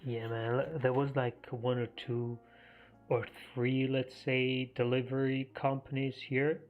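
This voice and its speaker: A man's voice: mid-range voice, level tone, soft background music. Man on a tinny phone-like line. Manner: halting, many fillers and restarts. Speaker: live trading stream host. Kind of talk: casual chat.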